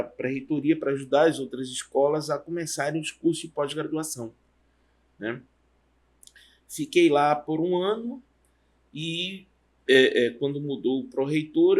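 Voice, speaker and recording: Man, middle-aged, husky voice, fairly high pitch, rambling storyteller. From Amazonas, Brazil. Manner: rambling, halting storytelling with restarts. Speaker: university professor, guest. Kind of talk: relaxed career interview.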